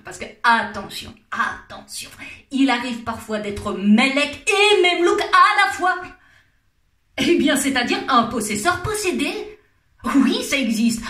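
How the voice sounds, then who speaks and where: A woman's voice: high voice, pushed and bright. A woman with a French accent doing a playful, theatrical comic monologue, teasing and laughing often. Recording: roomy echo.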